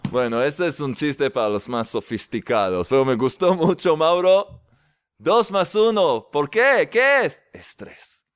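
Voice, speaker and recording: A man giving a casual, lively spiritual lecture as a religious teacher, drawing out stressed words. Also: medium pitch, dry recording, clean studio sound.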